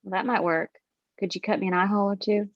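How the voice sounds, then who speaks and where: A woman acts a fussy, vain country woman in a drama table read. She grumbles with folksy exasperation. The sound is dry and a little dull, with a mid-pitched voice. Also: fairly even intonation, fast talker, no room sound, lightly acted. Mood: pleading.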